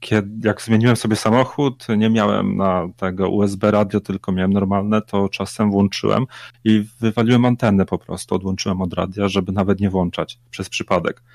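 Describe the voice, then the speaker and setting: A man's voice: lowish voice, steady tone, normal speed, gravelly, a little mellow, no room sound. A man co-hosting a radio chat who talks bluntly and sounds irritated. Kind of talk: casual chat. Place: lives in the UK.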